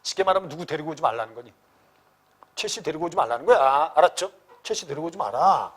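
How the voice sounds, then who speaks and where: A man teaching a classical novel passage in an animated, blunt, slangy way, checking in with students often. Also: on the high side, fast, breathy edge. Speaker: Korean literature tutor.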